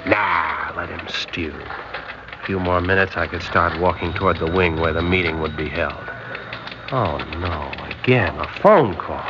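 A deep-voiced wry secret agent. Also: male voice, measured pace. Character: cool male undercover agent narrating. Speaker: narrator and lead. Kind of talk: 1960s radio drama narration. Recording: dull old broadcast with noise.

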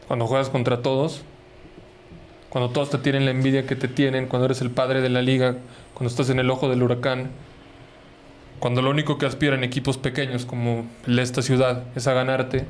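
A man's voice: medium pitch, little pitch movement, fairly quick, a little hiss or hum. A young man from Mexico with a Mexican Spanish accent, co-hosting a casual sports podcast, arguing his point insistently and swearing for emphasis. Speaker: podcast co-host. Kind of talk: casual banter among friends.

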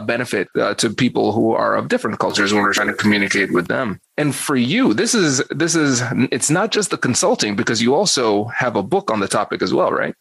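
A man's voice: mid-range voice, vocal fry, fairly bright tone, husky, no echo. A man hosting a negotiation podcast, giving a polished intro and then interviewing a guest. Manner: polished, promotional delivery. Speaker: podcast host.

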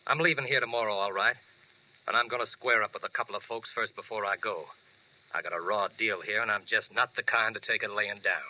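Laconic, menacing cowboy, American Western accent, lowish but very hard-edged, old radio drama on a muffled recording. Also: male voice, a little fast, bright, forceful tone. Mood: threatening. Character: terse, resentful, lanky cowboy horse wrangler. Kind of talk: 1940s radio drama acting.

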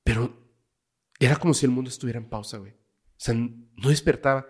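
A man with a Mexican Spanish accent and a mid-range voice tells a story as a podcast guest. He talks in a casual, dramatic way and sinks to a hush at the tense parts. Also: mid-range voice, brisk, breathy edge. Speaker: guest, paranormal investigator.

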